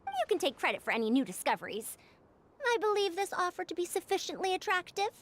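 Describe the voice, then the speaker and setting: A woman's voice: very high voice, very animated, fast. A woman voicing a proud, scholarly researcher in a video game, with formal, bookish phrasing. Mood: assertive. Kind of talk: English video game voice acting.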